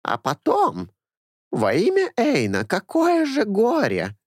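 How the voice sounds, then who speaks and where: A man's voice: sits high, wildly swooping pitch, takes it slowly, slightly rough, no room sound, clean studio sound, pitched above the performer's own voice, heavily acted. A man voicing a talkative old woman in her sixties, a former caretaker who rambles fondly and confidingly. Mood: sorrowful.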